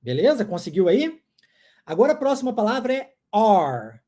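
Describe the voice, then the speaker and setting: A man from New Jersey who teaches English, giving a pronunciation lesson. He repeats English words slowly for learners to copy and chuckles often. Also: sits high, sing-song, dark tone. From United States, New Jersey.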